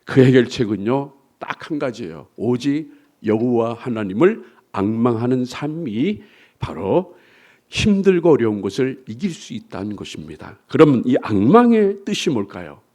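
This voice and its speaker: A man's voice: mid-range voice, big pitch swings, moderate pace, a little mellow. A male pastor preaching a sermon, asking the congregation to repeat after him and acting out the complaints of believers. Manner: acts out complaining believers in quoted voices.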